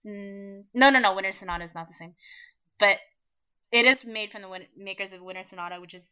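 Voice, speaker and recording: A woman's voice: mid-range voice, quick pace, clear, resonant tone, muffled recording. A woman hosting a casual online fan chat, rambling and laughing often as she talks. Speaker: podcast host.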